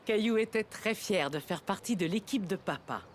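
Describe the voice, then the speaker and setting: A woman acts as a kindly cartoon storyteller with a medium-pitched, lively voice. She narrates expressively and simply for young children, with prominent music behind her. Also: moderate pace, natural voice. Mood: kindly storytelling. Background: loud music.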